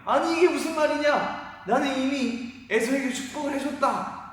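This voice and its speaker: A man's voice: high-pitched, sing-song, moderate pace, darkish tone, voice pushed up. A man voicing a startled, alarmed old blind father who exclaims in surprise. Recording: echoey hall from far off.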